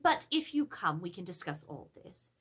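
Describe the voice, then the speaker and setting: A woman's voice: lowish voice, normal speed, breathy edge, heavily acted. A woman playing an anxious, genteel Edwardian wife in a theatrical, formal reading of a letter about a haunting. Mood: earnest, urgent. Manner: theatrical, expressive, formal storytelling. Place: indoors, seated before a draped backdrop.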